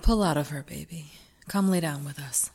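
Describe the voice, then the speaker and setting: Actress as a gentle, teasing caretaker, husky, slow and soft-spoken. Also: female voice, medium pitch, expressive, full character voice. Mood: soothing. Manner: soft, soothing, often whispering. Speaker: married woman caring for her lover. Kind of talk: adult audio roleplay.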